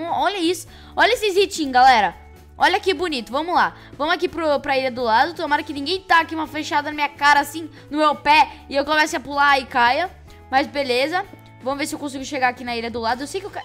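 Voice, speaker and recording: A woman with a Brazilian Portuguese accent hosting a let's-play, excitable, shrieking and teasing as she plays. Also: high-pitched. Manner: excitable, shrieks and shouts at game events, playful teasing. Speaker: gaming channel host. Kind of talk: let's-play game commentary.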